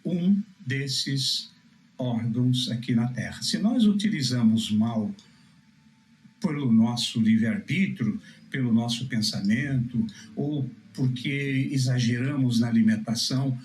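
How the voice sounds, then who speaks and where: A Brazilian man preaching in answer to questions, with a solemn, deliberate, didactic way of explaining religious teaching. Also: mid-range voice, lively intonation, a little mellow, a little hiss or hum, poor audio.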